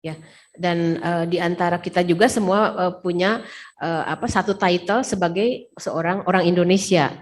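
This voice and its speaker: At a moderate pace and in a lowish voice, a woman interprets a lecture consecutively over a video call. She rephrases each passage and frequently uses hesitation fillers.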